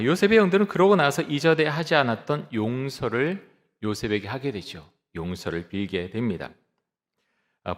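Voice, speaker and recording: A man in his fifties, a pastor giving a sermon in a church, telling a personal story calmly and reflectively, often pausing with "ah" and "uh". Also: medium pitch. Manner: calm, reflective storytelling with frequent "ah" and "uh" fillers. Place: church sanctuary. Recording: long hall reverb.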